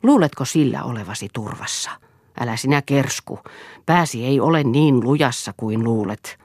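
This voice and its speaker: A woman's voice: very deep voice, darkish tone, breathy edge, no room sound, clean studio sound, heavily acted. A woman reading a sneering bitter husband. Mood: scornful. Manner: sneering, provoking. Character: bitter, scornful middle-aged husband.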